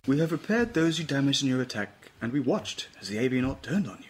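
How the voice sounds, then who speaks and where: A man voicing a towering, grave robot admiral with a slow, formal, portentous manner. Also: mid-range voice, very animated, pitched above the performer's own voice, lightly acted. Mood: solemn. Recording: noisy table read room.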